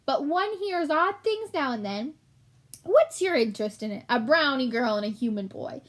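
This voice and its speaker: A woman voicing a fussy, world-weary old white rat with a shrill voice and a knowing manner in a storybook. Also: expressive, normal speed. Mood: curious.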